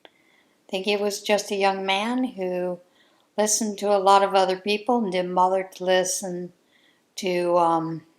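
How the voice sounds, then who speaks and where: A woman's voice: mid-range voice, flat delivery, a little slow. A woman hosting a crafting channel, sharing her views in a casual chat from home in an earnest, heartfelt way.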